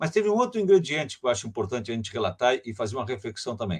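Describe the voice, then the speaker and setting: A man talks at a very fast pace with vocal fry and very wide pitch swings. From Rio Grande do Sul, Pelotas. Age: 50s. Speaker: political activist and live stream host. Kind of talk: political discussion.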